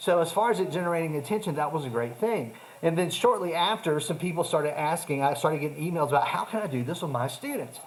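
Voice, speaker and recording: Rattling along at a very fast pace with hardly any pauses, a man with a Southern US accent and fairly high pitch speaks in an animated tone, with audible room echo and noticeable background noise. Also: lively intonation. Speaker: music technology teacher. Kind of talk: video rant.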